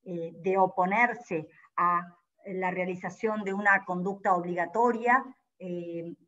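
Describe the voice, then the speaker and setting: A woman giving an academic law lecture in a careful, explanatory way, often pausing to rephrase. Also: fairly low pitch, sharp tone. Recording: dull lo-fi audio.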